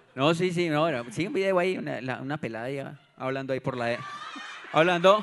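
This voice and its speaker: Over noticeable background noise, a man with a fairly high pitch talks at a moderate pace. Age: 30s. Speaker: podcast guest. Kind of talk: casual chat.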